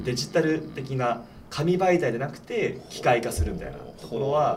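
Moderately paced, a man at medium pitch swings his pitch very widely. Noticeable background noise and audible room echo surround him. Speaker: healthcare startup CEO, former TV announcer. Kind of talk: casual interview.

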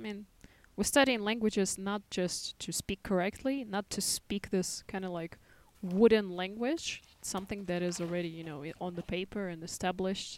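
A woman with a Russian accent at a medium pitch, moderate pace and ordinary pitch variation, in a dry, close sound with no echo. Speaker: English teacher. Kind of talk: casual chat.

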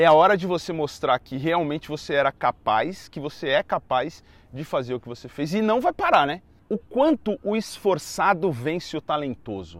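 A man speaks at a moderate pace and a fairly high pitch, with lively intonation, an animated tone, and big swings in loudness. The recording is very clean with a silent background and a dry, close sound with no echo. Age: 40s. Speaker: interviewer. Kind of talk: casual chat. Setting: outdoors.

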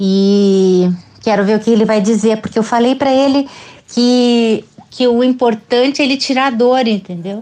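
A woman speaks at a moderate pace and a fairly high pitch with a dark, mellow tone. Her intonation stays fairly even and her loudness very even. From Curitiba, southern Brazil. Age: 60s. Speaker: person with Parkinson's, group member. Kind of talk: casual group chat. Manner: halting, repetitive.

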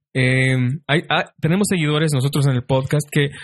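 A man with a Mexican accent, fairly high-pitched, somewhat breathy, at a moderate pace with ordinary pitch variation. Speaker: podcast host and saxophonist. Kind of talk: casual interview chat.

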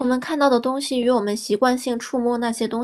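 A woman with a fairly high pitch speaks at a fairly slow pace against a quiet background. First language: Chinese (speaking Japanese). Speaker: reading group participant. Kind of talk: reading aloud.

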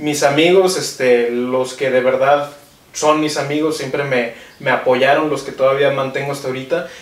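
A man talks with monotone, flat intonation. Noticeable background noise and audible room echo fill the recording. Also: fairly high pitch for a man, moderate pace. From Mexico, Guadalajara. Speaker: YouTuber. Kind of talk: casual chat.

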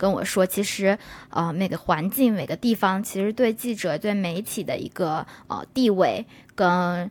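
Delivered at a fairly slow pace, this is an unremarkable speaking voice with ordinary pitch variation. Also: woman. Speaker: podcast co-host, journalism student. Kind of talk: casual chat. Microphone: new microphone.

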